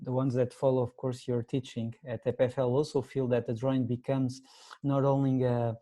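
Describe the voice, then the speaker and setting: A man's voice: medium pitch, level tone, normal speed, mellow. A man moderating a lecture Q&A in non-native English, hesitant and rephrasing as he reads out audience questions.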